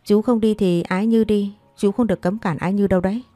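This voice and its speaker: A woman voicing a cheeky, pushy young man in his twenties who needles everyone in quick banter in a storybook. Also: medium pitch, steady tone, dark tone, no room sound, lightly acted. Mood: teasing. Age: 20s.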